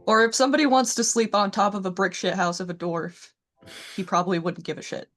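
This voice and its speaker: A woman playing a tabletop game, chatting casually. She is blunt and wry. Her pitch sits in a typical middle range. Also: fairly quick, soft background music. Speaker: player.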